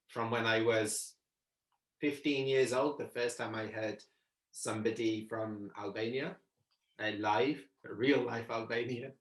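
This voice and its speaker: A young man, talking earnestly on a video call. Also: mid-range voice. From Italy, Arbëresh community. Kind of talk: casual video call discussion. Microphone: laptop mic on video call. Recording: echoey room on video call.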